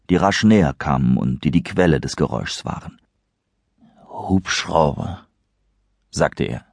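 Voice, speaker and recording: A man narrates a thriller audiobook in a low, husky voice. His reading is measured and suspenseful. The sound is dry and close. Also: dark tone, no echo. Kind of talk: scripted narration.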